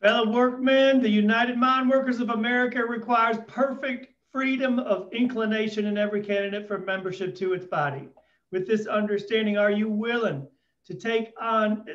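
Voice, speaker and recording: A union leader delivers a solemn oath to a crowd of miners in a formal, orating voice, as a man reads the part at a table read. The voice sits high, and the audio is dull and muffled. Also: a bit bright. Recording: muffled lo-fi recording.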